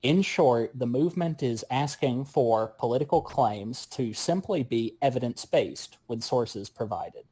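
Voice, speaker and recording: A man from a show's cast giving a prepared announcement in formal, measured wording. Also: mid-range voice, animated, warm tone, breathy edge, rough recording. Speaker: show cast member.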